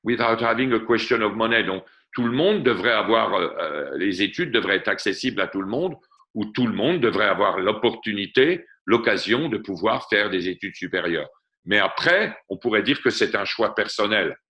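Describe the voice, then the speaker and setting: A man's voice: lowish voice, expressive, normal speed, sharp tone, highs cut off. A man giving a lesson on a video call, patiently explaining grammar and slipping in short English glosses. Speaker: French tutor. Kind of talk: online tutoring session. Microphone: computer mic on a video call.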